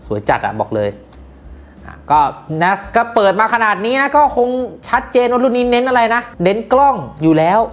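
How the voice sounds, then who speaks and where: A woman's voice: fairly high pitch, huge pitch swings, moderate pace. A woman hosting a casual phone review, playful and jokey, chatting directly to viewers. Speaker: tech reviewer host.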